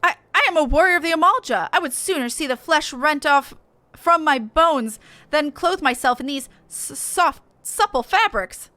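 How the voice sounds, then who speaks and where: A woman's voice: sits high, lively intonation, normal speed, sharp tone, no echo, voice pushed up. A woman voicing a proud, indignant tribal warrior from a fantasy game, declaiming in formal, archaic phrases.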